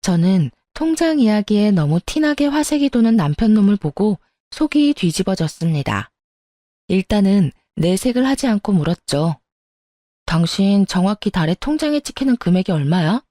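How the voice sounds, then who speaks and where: A woman's voice: mid-range voice, dark tone, no room sound, studio quality. A woman narrating a scripted first-person story in a wry, composed way.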